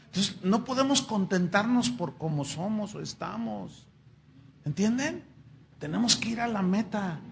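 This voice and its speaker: A middle-aged man preaches a sermon in a church, his voice pitched high with a gravelly edge. He talks to his congregation conversationally, tossing in rhetorical questions. A faint hiss sits under the recording. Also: lively intonation, a little slow. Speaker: pastor.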